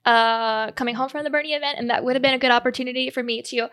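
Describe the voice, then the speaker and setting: A woman's voice: high-pitched, steady tone, quick pace, fairly bright tone, clean tone. A young woman from the United States co-hosting a podcast, smiley and giggly in casual chat. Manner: smiley, giggly, sweet-voiced. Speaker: podcast co-host.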